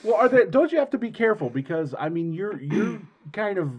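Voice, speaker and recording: A man's voice: sits high, sing-song, brisk, breathy edge. A man co-hosting a casual podcast chat, teasing and joking as he asks questions. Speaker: podcast co-host.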